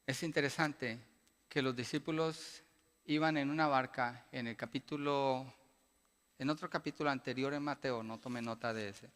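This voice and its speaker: A man preaching a sermon as pastor, asking his congregation rhetorical questions and building to loud, emphatic passages. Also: mid-range voice. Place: church sanctuary. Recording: long church-hall reverb.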